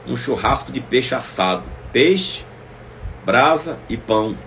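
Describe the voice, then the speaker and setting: Male preacher, middle-pitched, intimate and emotive, addresses the listener directly; faint room hum. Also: expressive, slow pace. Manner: emotive, swings between loud exclamations and soft asides; speaks directly to listeners as "minha irmã". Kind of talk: devotional Bible teaching.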